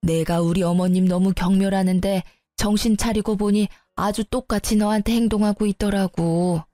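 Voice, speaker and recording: A woman's voice: medium pitch, steady tone, normal speed, dark tone, dry recording, studio quality, close to an everyday voice. A woman doing a doting old mother-in-law. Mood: apologetic. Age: older. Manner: cooing, fond, apologetic.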